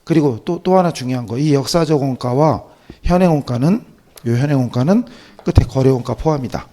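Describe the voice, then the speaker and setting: A man with a voice hoarse from a cold, teaching an accounting class through practice questions with short check-in questions. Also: mid-range voice, fairly quick, dark tone. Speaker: accounting exam lecturer.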